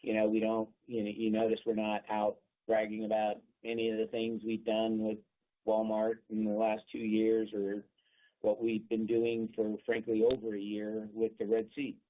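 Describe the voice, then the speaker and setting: A man speaking as a company executive, giving unscripted answers on an earnings call in a halting way, repeating words as he goes. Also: on the low side, completely flat delivery. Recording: thin phone-line conference call.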